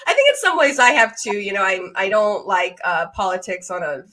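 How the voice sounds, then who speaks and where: A woman in her thirties hosts a podcast with a medium-pitched voice. She talks informally and conversationally, with an enthusiastic, affirming manner toward her guest. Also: very animated, a little fast, sharp tone. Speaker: podcast host. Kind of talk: casual conversational interview.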